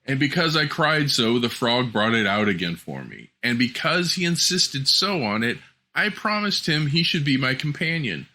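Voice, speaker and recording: A spoiled young storybook princess, played by a man, speaks in a lifted, bright voice. The girl sounds dainty, plaintive and a little disdainful. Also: medium pitch, sing-song, moderate pace, hardly any pauses, voice pushed up, heavily acted. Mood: anxious, plaintive.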